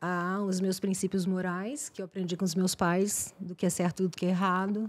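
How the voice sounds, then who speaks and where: At a moderate pace, a woman speaks in a monotone, flat intonation. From Espírito Santo, Brazil (Cachoeiro de Itapemirim); Espírito Santo. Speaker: environmental journalist and TV reporter; podcast guest, journalist. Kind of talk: podcast interview. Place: studio. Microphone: studio mic.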